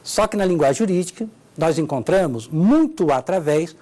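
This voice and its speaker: A woman's voice: fairly low pitch, expressive, normal speed, mellow. A woman teaching Portuguese grammar in a televised lesson, walking through examples and checking in with her listeners. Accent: Brazilian Portuguese.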